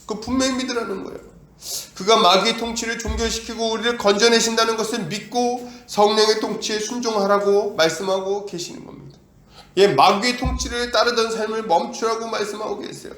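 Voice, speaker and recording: A man's voice: high voice, steady tone, fairly quick, a bit bright, reverberant. A male pastor preaching an emphatic sermon, asking his congregation rhetorical questions and acting out the voices of doubters. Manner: acts out quoted voices of doubters and of God. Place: church.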